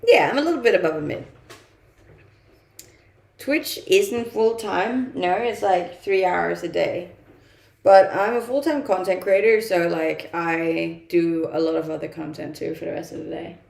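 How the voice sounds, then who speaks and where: A woman's voice: on the low side, a little slow, vocal fry, darkish tone, echoey room. A young woman from Denmark whose first language is Danish, chatting casually on a live stream and reading out viewer comments, laughing often and using many fillers.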